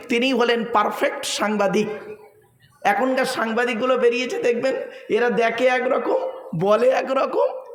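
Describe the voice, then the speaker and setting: A man preaching a sermon at a large religious gathering, quizzing the crowd with questions and laughing often in a playful, teasing way. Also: extremely high pitch. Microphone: stage microphone. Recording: echoey open-air PA sound.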